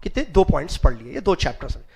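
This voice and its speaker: A high-voiced man lecturing a class, pausing to quiz his students and chuckling at their answers. He spells out Arabic root letters one by one and slips English words into his explanations. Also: very animated, dark tone, a little hiss or hum. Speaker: religious teacher.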